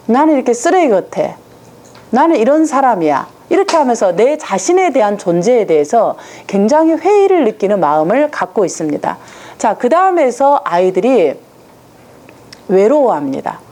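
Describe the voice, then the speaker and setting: A woman's voice: fairly high pitch, a little mellow. A woman giving a live lecture to parents in a room with an audience, often putting questions to them. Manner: asks the audience frequent rhetorical questions. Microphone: hand or stand microphone with some room ring.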